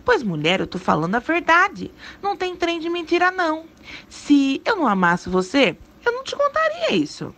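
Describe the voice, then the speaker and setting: A woman's voice: mid-range voice, very animated, moderate pace, fairly bright tone. A woman voicing a teasing rural husband. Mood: earnest. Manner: teasing, laughing, folksy. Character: teasing rural husband, grown man, amused. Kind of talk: dramatic storytelling.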